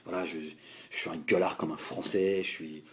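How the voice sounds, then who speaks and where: A young French man giving a heated political monologue, halting and repeating words as he addresses a politician directly. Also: low-pitched, steady tone, slight background noise. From France. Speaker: political commentator.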